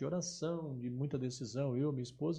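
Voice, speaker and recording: The man's dark, mellow tone is somewhat breathy, and he keeps a moderate pace. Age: 60s. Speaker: retired pastor. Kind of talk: podcast interview.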